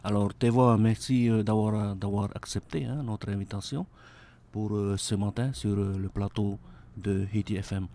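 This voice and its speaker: A man's voice: fairly low pitch, level tone, normal speed, dark tone, a little hiss or hum. A man hosting a radio interview, speaking hesitantly with many "euh" between phrases. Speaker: radio host. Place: radio studio.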